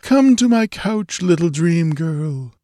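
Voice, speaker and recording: A man's voice: a little high, big pitch swings, slow pace, mellow, no echo, clean studio sound, pitched above the performer's own voice. A man voicing a dreamy, sensuous man of a lost city in an audiobook, with a drawling, florid, archaic way of speaking that gives way easily to panic. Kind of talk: dramatized fantasy audiobook.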